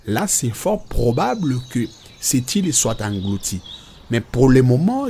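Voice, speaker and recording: A man playing a patient father in a Christian children's cartoon, explaining things step by step in a husky voice. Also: medium pitch, a little mellow, slight background noise. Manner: didactic, explains definitions step by step.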